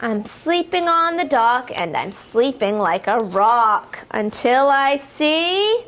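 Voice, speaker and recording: A storytime reader reads picture books aloud to young children in an animated, encouraging way. Her voice is on the high side and slow, and she asks the kids questions and playfully exclaims the action words.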